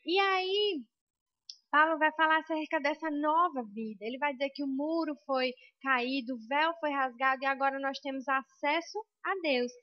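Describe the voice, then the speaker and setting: A woman's voice: high voice, fairly even intonation, moderate pace, no echo, dull audio. A young Brazilian woman preaching a sermon in a church with a Brazilian Portuguese accent, impassioned and building to emphatic peaks.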